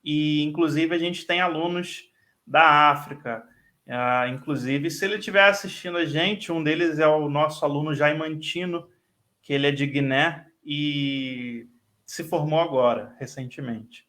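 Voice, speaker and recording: A Brazilian man with a carioca accent from Rio de Janeiro speaks in a fairly high, bright, forceful voice at an unhurried pace. He is a guest professor in a live online interview, explaining things fluently and often ending sentences with "né".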